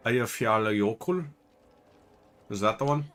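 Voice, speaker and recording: An Irish gaming channel host offers casual, rambling commentary while he plays, chatty and full of fillers. His voice is fairly low, a bit bright, and a little slow, with soft music in the background.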